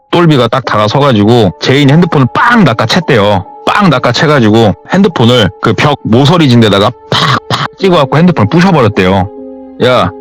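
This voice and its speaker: A man narrates a listener's true horror story in a conversational, dramatic way, his pitch rising and falling with lively swings. Soft music plays faintly behind his voice. He sits at a middle pitch for a man.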